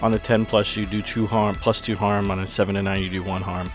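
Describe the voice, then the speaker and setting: Male tabletop player, casual table talk, slightly low voice, soft music behind. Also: little pitch movement, a little fast. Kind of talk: casual game-table chat.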